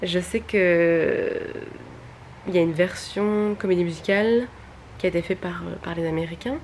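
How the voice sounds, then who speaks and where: A woman's voice: fairly low pitch, normal speed, a little mellow, a little hiss or hum. A young woman chatting casually in a home vlog, rambling with many fillers and restarts. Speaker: vlogger.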